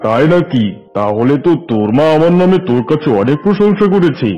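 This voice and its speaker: A man's voice: a little high, sing-song, a little fast. A man voicing a proud tiger king of the forest in a children's cartoon, in dull sound with music behind. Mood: flattered, approving.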